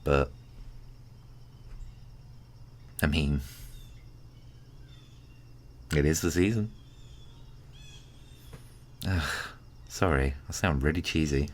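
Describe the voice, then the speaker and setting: A man playing a kindly, awkward, flirtatious tiny friend in an intimate ASMR roleplay, speaking gently and hesitantly with caring, teasing warmth. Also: extremely low pitch, unhurried. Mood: fond, bashful. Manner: gentle, hesitant, bashfully rambling.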